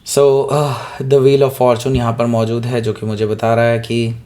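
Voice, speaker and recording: Hoarse man giving a tarot reading. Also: mid-range voice, level tone, measured pace, warm tone. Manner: keeps asking "okay?" to the listener, mixes in English words. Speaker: tarot reader. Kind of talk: weekly tarot reading to camera.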